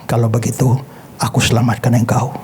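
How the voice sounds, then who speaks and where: A man voicing God speaking calmly and in measured terms in a lowered voice. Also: slight background noise, natural voice. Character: calm God speaking from above.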